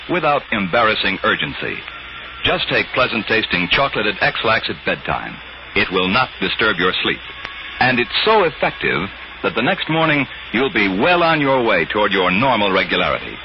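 A man's voice: on the low side, lo-fi sound, background noise. A man reading a chipper 1950s radio commercial with a polished, emphatic salesman delivery, on an old broadcast recording. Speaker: commercial announcer.

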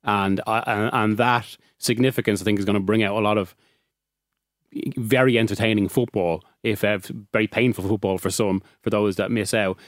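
A man's voice: lowish voice, fairly even intonation, normal speed, dry recording, studio quality. A man with an Irish accent talking football as a regular on a podcast, chatty, often restarting and laughing. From Ireland. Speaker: football journalist. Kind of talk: casual podcast discussion.

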